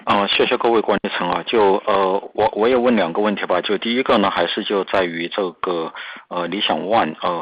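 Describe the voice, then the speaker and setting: A man, a native Chinese speaker, putting questions as an analyst on an earnings call in a hesitant, halting manner. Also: sits low, breathy edge. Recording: muffled, echoey conference call line.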